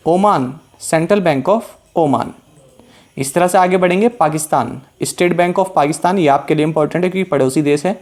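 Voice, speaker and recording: A man's voice: on the high side, a little mellow. A man teaching an exam-prep lesson, reading out a long list and stressing the items that matter. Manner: reads out a list slowly, stressing key items.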